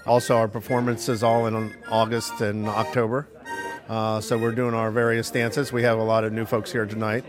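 Club president, man, 50s, flat matter-of-fact delivery, accordion music behind. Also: lowish voice, moderate pace. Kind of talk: casual explanation.

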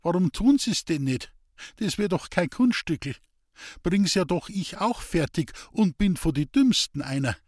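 A man's voice: high-pitched, lively intonation, measured pace, a little mellow, dry recording, clean studio sound, voice pushed up. Man doing an eager Bavarian peasant woodcutter. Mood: eager, simple. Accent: Bavarian dialect. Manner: eager, pleading, naive. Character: simple, earnest male peasant woodcutter preacher. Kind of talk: audiobook character voice.

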